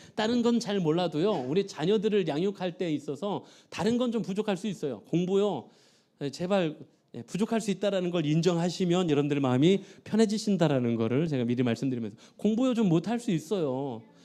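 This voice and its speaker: Over a quiet background, a man talks fairly quickly in a Chungcheong accent. His voice is high-pitched, with a dark, mellow tone. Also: lively intonation. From Chungcheong, South Korea (Cheonan). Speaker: guest pastor. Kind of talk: sermon. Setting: church. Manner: fast.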